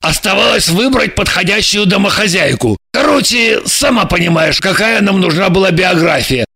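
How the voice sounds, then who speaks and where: A man's voice: sits high, lively intonation, normal speed, heavily acted. A man voicing a blunt, impatient male spy handler in his thirties, reading an audiobook. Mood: explaining. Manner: blunt, impatient, gravelly and shouting.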